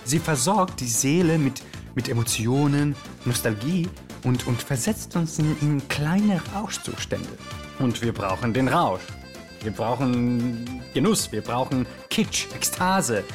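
An actor playing an excitable, euphoric Yugoslav male radio host with a theatrical, rambling way of moderating a live show. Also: mid-range voice, slow pace. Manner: theatrical, rambling, exuberant, switching from hushed to shouting. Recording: music behind the voice. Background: music.

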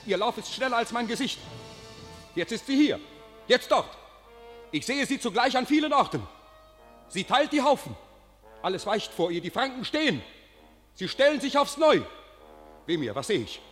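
An actor playing an excitable soldier lookout in a classic radio play, reporting with urgent exclamations. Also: male voice, very high-pitched, moderate pace, pauses often, big-room sound, soft background music, full character voice. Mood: alarmed.

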